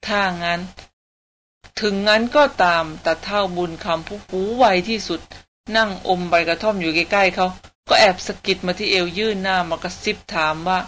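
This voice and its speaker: A woman reading a novel aloud as an audiobook narrator, in an even, steady storytelling manner. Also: medium pitch, moderate pace.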